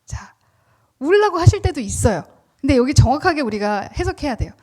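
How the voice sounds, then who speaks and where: A woman preaching a sermon in a church, lively and questioning her congregation. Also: sits high, fairly quick. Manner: animated, acts out quoted words, asks the congregation questions.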